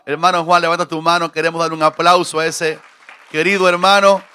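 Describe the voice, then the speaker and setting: A man's voice: a little high, flat delivery, a little fast, pushed and bright, clean tone, some chatter behind. Jovial preacher man. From Cuba. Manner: jovial, preacherly, joking with congregation. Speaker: visiting pastor. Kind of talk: sermon. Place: church. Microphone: handheld mic.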